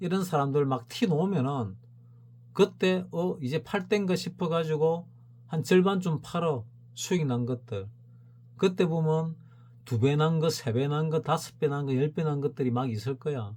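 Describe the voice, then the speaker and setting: The delivery is fairly slow and somewhat breathy, with lively intonation. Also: man, fairly high pitch for a man. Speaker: stock market YouTuber. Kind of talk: casual investment talk monologue.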